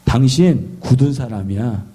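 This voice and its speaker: A man voicing a resentful male servant who accuses his master, speaking slowly and emphatically. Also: mid-range voice, animated, dark tone, breathy edge. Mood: accusing.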